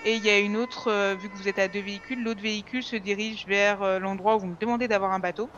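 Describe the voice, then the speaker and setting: A man playing a calm, polite, procedural police negotiator in an online game roleplay, speaking hesitantly and formally. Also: sits high, quick pace, muffled recording, a little hiss or hum. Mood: conciliatory.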